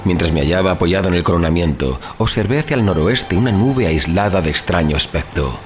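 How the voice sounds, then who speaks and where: An actor playing a grave, rational, educated traveler telling his story in solemn, measured, formal literary narration for an audio drama. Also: deep voice, expressive. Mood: solemn, reflective. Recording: music playing behind the voice. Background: background music.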